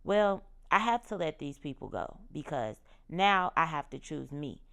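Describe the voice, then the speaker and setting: Podcast host, woman in her thirties: deep, fry-edged voice, candid and emphatic, repeats her point. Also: big pitch swings, a little slow, fairly bright tone. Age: 30s. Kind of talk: personal reflective monologue.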